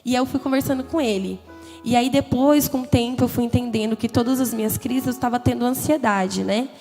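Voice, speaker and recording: With a São lilt and a slightly high voice, a young woman recounts her personal testimony to a church youth congress, talking a little fast. She is candid, conversational and emotional, repeatedly adding "né?". The big hall gives long reverb, and soft music plays faintly underneath.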